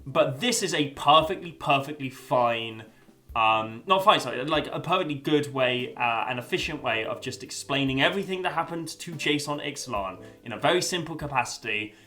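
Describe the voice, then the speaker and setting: A man's voice: medium pitch, animated, moderate pace, bright, forceful tone, faint music behind. A young man giving a casual spoken review, rambling with lots of fillers and restarts, and swearing now and then. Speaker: video essayist reviewing a story.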